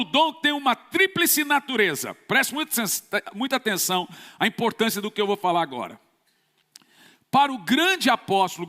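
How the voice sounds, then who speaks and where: High, forceful preaching man in reverb. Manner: emphatic, forceful preaching with sudden bursts. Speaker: pastor. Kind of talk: sermon. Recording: long church reverb.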